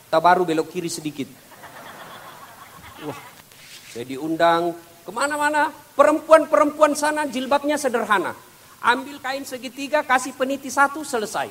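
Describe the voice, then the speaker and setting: Seorang pria penceramah berlogat menyampaikan ceramah jenaka dengan gaya bercerita yang hidup. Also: male voice, sits high. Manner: animated storytelling, jokey. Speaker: preacher. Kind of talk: humorous sermon.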